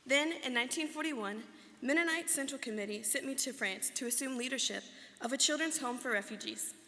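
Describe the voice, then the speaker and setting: Performing a dramatic reading live in an echoing hall, a young woman who is a student actor gives an earnest first-person recollection of a life. The monologue is rehearsed, and her high voice comes across pushed and bright at a fairly quick pace.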